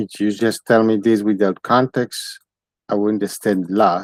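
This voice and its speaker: A man with a Spanish accent talks in a fairly low pitch. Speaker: Spanish teacher. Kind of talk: tutorial. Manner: halting.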